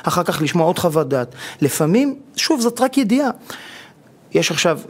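A rabbi on a TV talk show explaining marriage advice and acting out quoted husbands and wives as he tells stories. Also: sits high. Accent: Israeli Hebrew. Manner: animated storytelling, acting out quoted spouses. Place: television studio.

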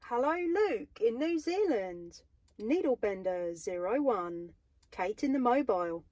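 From inside a vehicle, parked or moving, a mobile CB radio operator from England makes casual radio contact chat. She sounds enthusiastic, with a southern English accent and a fairly high, animated voice that is unhurried. Heavy background noise surrounds her.

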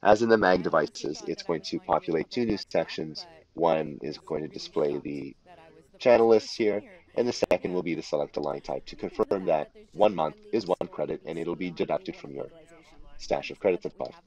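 Deep-voiced man giving a software tutorial. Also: rough recording. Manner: deliberate, instructional, explains step by step. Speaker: tutorial presenter. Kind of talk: unscripted step-by-step software walkthrough. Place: voice-over for a screen recording.

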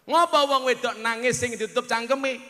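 Joking Javanese preacher, man, piercingly bright voice, reverberant hall. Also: very high-pitched, moderate pace. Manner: joking, punchy punchlines, bursts into shouts. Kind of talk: humorous sermon to a crowd.

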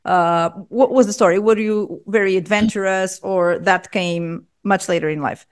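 A woman's voice: medium pitch, fairly even intonation, normal speed, smooth. A woman with a Portuguese accent hosting a podcast, friendly and laughing often while asking questions. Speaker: podcast host. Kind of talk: casual interview. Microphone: headset with studio mic.

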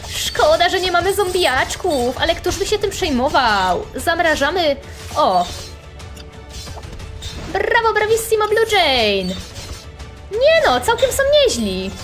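A young woman commentating her own online game playthrough, chatty and excitable, talking straight to her viewers and making playful sound effects. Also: extremely high pitch. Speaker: gaming channel host. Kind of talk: playful let's-play commentary.

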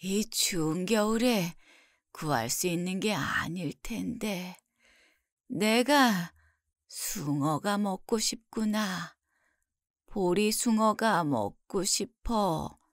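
A woman voicing a frail, sick old mother who speaks softly and slowly. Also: mid-range voice, lively intonation, no room sound, clean studio sound. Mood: weary.

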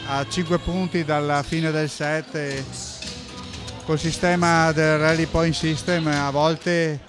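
A man's voice: a little high, level tone, slow pace, over music. A man co-commentating a live volleyball match, explaining plays in an analytical, explanatory way.

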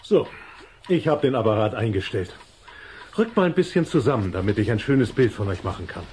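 A man's voice: lowish voice, lively intonation, brisk, darkish tone, slight background noise, close to an everyday voice. A man playing a blustering, easily indignant middle-aged father in a children's audio drama. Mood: gruff, calmer.

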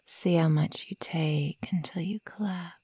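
A woman voicing a sadistic, predatory werewolf girl who taunts her prey in a breathy whisper, in an ASMR roleplay. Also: low-pitched, fairly even intonation, background noise. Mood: taunting, amused menace. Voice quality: breathy, mostly whispered, creaky. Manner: slow, taunting, menacing.

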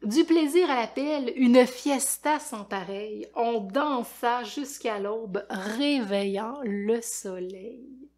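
Enseignante québécoise, lecture jeunesse posée et rythmée, voix un peu aiguë. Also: female voice, fairly high pitch, takes it slowly. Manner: lively, rhythmic, asks children questions. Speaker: teacher and storyteller. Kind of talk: reading a picture book aloud to children.

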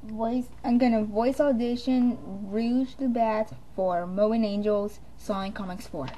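A woman's voice: fairly high pitch, fairly even intonation, measured pace, dark tone, slight background noise, poor audio. A woman talking casually and a little hesitantly as an amateur voice actor introducing her audition.

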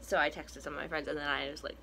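A young trans man vlogs from a small room in his home, talking fast in a flat, creaky voice that's a little high and sharp in tone. His casual update rambles with many fillers and restarts, and his voice cracks now and then. A faint hiss or hum can be heard.

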